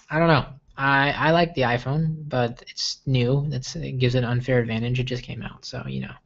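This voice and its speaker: A man's voice: medium pitch, dull audio. A young man from the States hosting a casual livestream Q&A, chatty and rambling with lots of fillers and restarts. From United States. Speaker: livestream host answering viewer questions.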